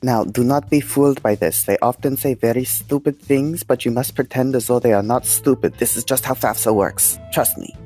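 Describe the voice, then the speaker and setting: A man's voice: medium pitch, normal speed, few pauses, dark tone, soft background music, natural voice. A man playing an earnest, pompous religious adventurer who speaks formally in a tabletop game. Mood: conspiratorial. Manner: formal, lecturing, without contractions.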